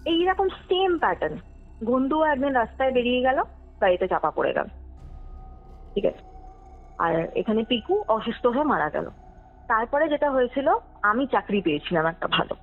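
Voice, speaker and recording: High-voiced young woman on tinny phone. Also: very animated, moderate pace, pauses often. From West Bengal, India. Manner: mixes English words, often checks listener follows. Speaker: podcast guest telling her true ghost story. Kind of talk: conversational personal storytelling. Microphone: phone call. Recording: tinny phone call, music underneath. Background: background music.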